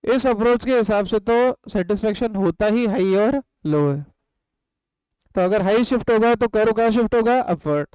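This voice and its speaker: A man with an Indian accent teaching an online economics class in a high, clear voice. He asks questions and answers them himself, and he sometimes dictates notes word by word. The recording is close and dry. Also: moderate pace, a little mellow, dry recording, poor audio. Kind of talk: live online class lecture.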